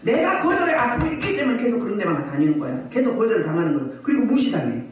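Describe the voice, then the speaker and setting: A woman's voice: mid-range voice, big pitch swings, very fast, darkish tone, a little hiss or hum. A woman pastor preaching a sermon at a healing service. She scolds the congregation and keeps firing rhetorical questions at them. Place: church hall. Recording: very echoey hall, voice far from mic.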